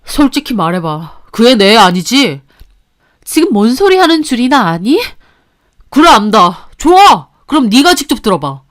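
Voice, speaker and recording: A woman's voice: on the high side, big pitch swings, moderate pace. A woman voicing an angry, suspicious young husband in a radio-style story, talking in an accusing, sneering way. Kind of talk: Korean radio-story dialogue.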